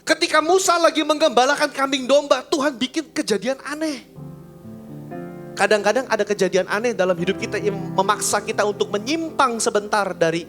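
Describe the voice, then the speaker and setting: High-voiced pastor preaching. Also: male voice, a little fast, soft background music. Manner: lively, colloquial, acts out voices with big swings in pitch and volume. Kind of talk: sermon. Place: church service.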